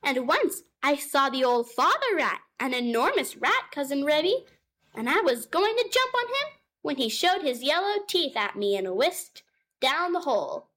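A woman's voice: sing-song, measured pace, a bit bright, exaggerated voice. A woman putting on a wailing, fretful mother cat. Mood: tearful. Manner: wailing, fussy, high and distressed.

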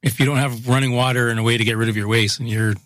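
A man who runs a town's water and sewer crews, talking through how the system works in a relaxed interview. He speaks plainly, often trailing off with "so" and "yep". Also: mid-range voice, rapid-fire, dry recording, studio quality. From Massachusetts, US. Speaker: utilities chief of operations. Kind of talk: casual interview.

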